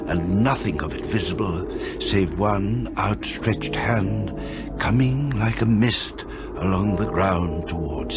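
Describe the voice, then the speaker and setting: A male actor narrating a radio drama in a grave, ominous, measured storybook style. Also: on the low side. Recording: loud music under the narration.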